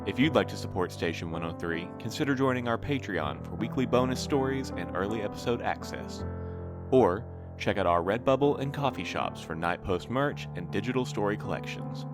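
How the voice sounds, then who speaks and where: A man delivers a scripted sign-off as a podcast announcer. His voice is fairly low. Guitar music plays clearly behind him. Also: lively intonation, normal speed. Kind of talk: scripted in-character outro.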